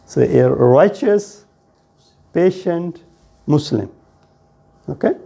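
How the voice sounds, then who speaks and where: Male teacher, South Asian accent. Unhurried, deliberate classroom explanation, soft-edged timbre with some creak. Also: on the high side, animated. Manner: deliberate, explanatory, checking questions. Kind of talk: classroom lesson on Arabic grammar.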